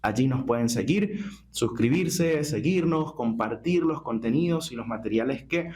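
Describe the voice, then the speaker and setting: A man's voice: medium pitch, expressive, normal speed, darkish tone. A man with a Venezuelan accent hosting a church podcast, welcoming his guest and asking long, winding questions. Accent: Venezuelan Spanish. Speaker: podcast host.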